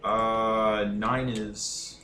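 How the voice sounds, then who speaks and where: A man playing a tabletop game, chatting casually and haltingly as he thinks aloud. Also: fairly low pitch, little pitch movement. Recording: echoey room, clearly noisy.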